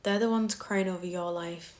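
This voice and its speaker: A woman's voice: fairly low pitch, steady tone, moderate pace, a little mellow. Blunt Cumbrian woman live-streaming. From Cumbria, England. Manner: blunt, dismissive toward trolls, laughs easily. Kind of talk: casual live-stream chat answering comments. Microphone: phone.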